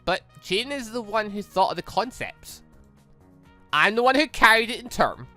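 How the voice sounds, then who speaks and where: A host reading a visual novel aloud in an animated, rambling way, slipping between the script and off-the-cuff reactions. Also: medium pitch, moderate pace, soft background music. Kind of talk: lively read-along commentary with ad-libbed asides.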